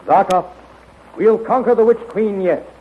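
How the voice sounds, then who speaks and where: An actor playing an eager, confident young space hero in a bold, theatrical 1930s radio style. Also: male voice, sits high, measured pace. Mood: determined. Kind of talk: 1930s radio serial acting. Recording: muffled, noisy 1930s radio recording.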